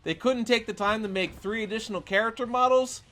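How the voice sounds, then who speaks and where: A man's voice: high voice, brisk, a bit bright. A man reading a scripted video game review, opinionated, with wry sarcastic asides.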